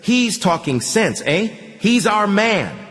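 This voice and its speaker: A man's voice: high-pitched, big pitch swings, slow, a bit bright, in a large hall, pitched above the performer's own voice, full character voice. A man voicing a drunk, boastful fascist who is jovially chummy.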